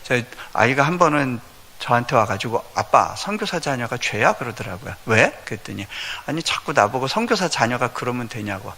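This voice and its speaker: A middle-aged man giving a sermon testimony, telling a story in a conversational way with soft laughs and hesitant fillers. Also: medium pitch, expressive, fairly quick. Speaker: missionary preacher. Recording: hissy, long-reverb hall.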